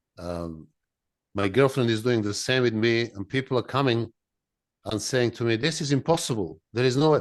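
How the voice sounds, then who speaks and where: A man's plain, everyday voice at medium pitch, with ordinary pitch variation and a fairly quick pace, over a quiet background. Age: 60s. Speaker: professional bodybuilder and fitness coach. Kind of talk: casual chat.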